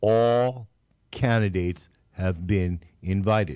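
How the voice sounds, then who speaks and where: An animated man's voice with ordinary pitch variation on a very clean recording with a silent background. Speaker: radio host, veteran. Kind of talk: community radio talk show. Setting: radio studio.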